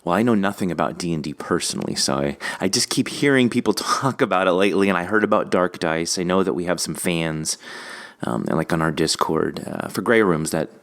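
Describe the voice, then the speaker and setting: A man's voice: sits low, brisk, a bit bright. A man hosting a podcast interview, chatting informally and enthusiastically in a rambling, conversational way. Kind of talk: casual interview chat.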